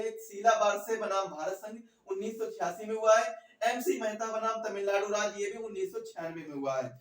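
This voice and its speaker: A man giving an explanatory exam lecture, repeating key phrases and putting questions to his students. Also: high voice. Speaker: exam coaching teacher. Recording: echoey room, distant mic.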